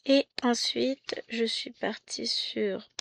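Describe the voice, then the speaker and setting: Middle-aged french woman rambling about her stitching, gravelly voice, faint hiss behind. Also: a little high, slow pace. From France. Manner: chatty, rambling, self-mocking with many asides and restarts. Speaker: cross-stitch vlogger. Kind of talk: casual chat.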